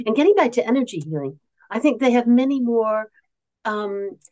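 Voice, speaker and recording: A woman's voice: a little high, lively intonation, moderate pace, warm tone, rough recording. A middle-aged woman born in South Korea and raised around Asia, a guest author talking in a reflective, earnest way and often searching for her words in a casual conversation.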